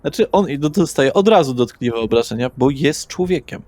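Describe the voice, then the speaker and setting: Brief: male game master, middle-pitched voice, casual narration mixed with rules calls. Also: lively intonation, a little fast, a little mellow.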